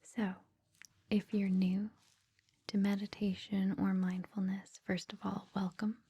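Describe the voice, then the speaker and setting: Slow, breathy whispering ASMR woman. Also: medium pitch, flat delivery. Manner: gentle, reassuring, informal. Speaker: ASMR host introducing a meditation series.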